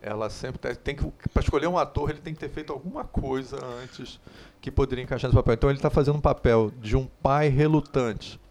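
A man co-hosting a casual chat, rambling and animated, with lots of fillers. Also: medium pitch, a little fast, a little hiss or hum. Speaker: podcast co-host.

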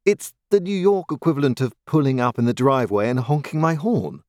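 A woman's voice: a bass voice, animated, a little fast, darkish tone, no room sound, studio quality. A woman voicing a proud, formal wealthy young man who speaks in a clipped, earnest way, in an audiobook. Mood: stiff. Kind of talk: audiobook character voice.

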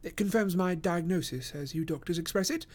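Guy doing a bossy victorian detective, higher voice, crisp and quick to give orders, audiobook style. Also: darkish tone. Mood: brisk. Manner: crisp, directive, instructing. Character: brisk commanding Victorian male detective. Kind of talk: audiobook character voice.

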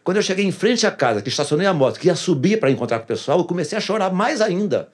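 A man's voice: high-pitched, sing-song, very fast, breathy edge. A pastor tells his personal testimony in a casual interview, earnestly repeating phrases for emphasis.

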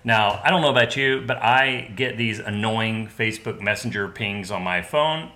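A man from the American Midwest chats as a podcast guest, telling stories in a loose, rambling way with easy jokes. His voice has a bright, forward edge. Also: on the low side, moderate pace. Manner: relaxed, joking, rambling storyteller. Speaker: podcast guest, business partner. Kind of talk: casual podcast chat.

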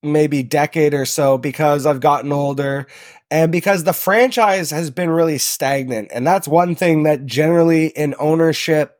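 A young man from Southern Ontario, a podcast guest telling stories in a relaxed way, with plenty of ums and uhs. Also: fairly high pitch. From Southern Ontario, Canada. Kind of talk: casual interview chat.

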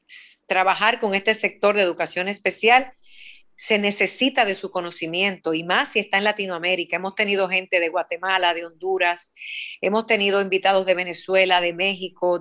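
A woman's voice: medium pitch, a bit bright. A Dominican woman hosting a radio talk show, speaking emphatically and repeating key words for her listeners. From Dominican Republic. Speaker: radio host and family therapist.

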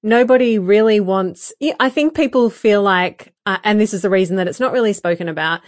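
A woman co-hosting a podcast, talking candidly with a croaky voice, laughing often and using many fillers. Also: medium pitch, brisk, no echo, clean studio sound. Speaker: podcast co-host. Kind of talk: casual podcast chat.

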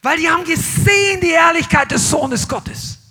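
A middle-aged man preaching a sermon to a congregation, swinging between loud calls and low asides. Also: normal speed. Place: church hall with live congregation.

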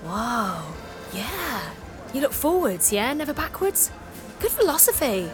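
A woman's voice: high voice, big pitch swings, a little slow, music in the background. An actress playing a chatty, breezy young woman working undercover. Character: bold young English woman spy, breezy.

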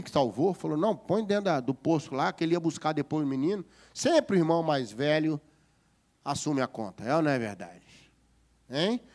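A man with a Brazilian Portuguese accent preaching a humorous sermon as a pastor, lively and joking, often asking the congregation whether they agree. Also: fairly high pitch.

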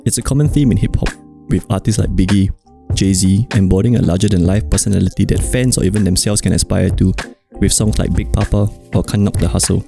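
A man's voice: deep voice, fairly even intonation, a little fast, gravelly, warm tone, faint music behind. A man hosting a podcast, reading scripted narration that links the interview clips. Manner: reads links between clips. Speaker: podcast host.

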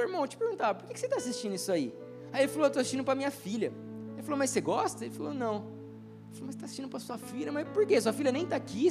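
A young man preaching a casual sermon, telling personal stories and acting out the dialogue. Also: extremely high pitch. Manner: storytelling, acts out dialogue, laughs at himself.

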